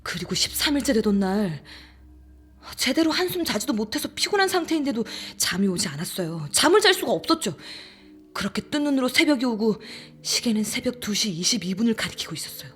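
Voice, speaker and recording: Hushed, frightened young woman storyteller. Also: a little high, sing-song, a little fast, slightly rough, heavily acted. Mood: hushed tension. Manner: hushed, suspenseful, confiding, dropping to whispers. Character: frightened young woman recounting her haunted rented room. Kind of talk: dramatic first-person horror audiobook narration.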